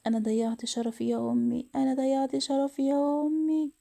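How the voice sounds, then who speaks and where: A woman's voice: a little high, steady tone, quick pace, vocal fry, dark tone. A woman with an Egyptian accent voicing a young daughter who answers her mother curtly. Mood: remorseful. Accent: Egyptian Arabic. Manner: defensive, curt. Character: defiant then remorseful teenage daughter.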